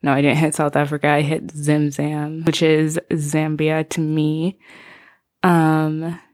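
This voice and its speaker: A woman's voice: low-pitched, monotone, slow pace, darkish tone, dry recording, clean studio sound. A woman in her twenties from Zimbabwe, a native Shona speaker with an American accent, chatting casually to her listeners as a bubbly, playful, rambling podcast host. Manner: bubbly, playful, slangy and digressive.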